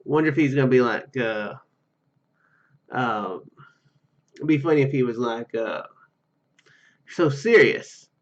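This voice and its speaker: A man's voice: medium pitch, a little slow, long pauses. A man reading a game's narration aloud and adding casual commentary as a gaming video host, on a slightly lo-fi microphone.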